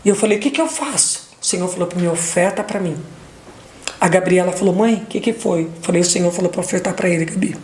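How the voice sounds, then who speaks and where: A woman's voice: fairly low pitch, fairly even intonation, fast, darkish tone, roomy sound, a little hiss or hum. A middle-aged woman giving an emotional personal testimony, retelling what everyone said in long runs of dialogue, with restarts and fillers. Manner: retells dialogue with repeated 'aí eu peguei e falei', restarts and fillers.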